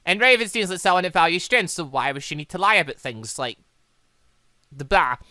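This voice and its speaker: A man hosts a gaming let's-play in a bright, fairly high voice. His pitch moves around a lot as he rambles casually between reading game dialogue and commenting on it. The sound is close and dry. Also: animated, a little fast, no room sound. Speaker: gaming channel host.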